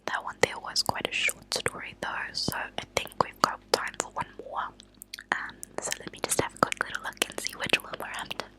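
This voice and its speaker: A woman speaks entirely in a breathy whisper with a bright, crisp edge. She reads in a deliberate, soft ASMR manner, as a host sharing stories. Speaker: ASMR host reading true crime stories aloud. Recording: lo-fi close whispered ASMR recording.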